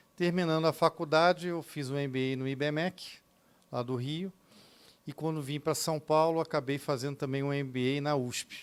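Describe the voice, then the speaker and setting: Speaking at a moderate pace with a Carioca accent, a man is heard on a very clean recording with a silent background. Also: fairly high pitch for a man, fairly even intonation. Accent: Carioca (Rio de Janeiro) Portuguese. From Rio de Janeiro, Brazil. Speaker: business executive. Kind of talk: interview.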